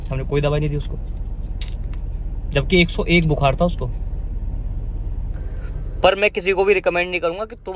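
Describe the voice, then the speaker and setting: A man's voice: a little high, slight background noise. A man vlogging at home, chatting casually to viewers and giving advice. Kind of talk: casual family vlog chat. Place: at home indoors.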